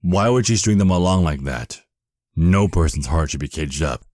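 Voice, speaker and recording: A man's voice: low-pitched, expressive, normal speed, a little mellow, dry recording, clean studio sound. A man playing a proud, defensive archangel in a fantasy audio drama, haughty and formal in manner. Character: proud, defensive male archangel who despises vampires.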